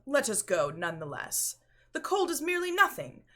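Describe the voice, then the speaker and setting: Woman acting an excitable, boastful drunken nobleman. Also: high-pitched, normal speed, voice pushed up, heavily acted. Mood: impatient, insistent. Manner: exclamatory, insistent. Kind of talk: dramatic storybook read-aloud.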